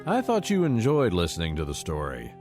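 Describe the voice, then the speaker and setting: Audio drama stranded soldier, male: very low voice, stoic, reflective, guitar music behind. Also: huge pitch swings, brisk. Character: stoic, nostalgic male military survivor stranded on a desert planet.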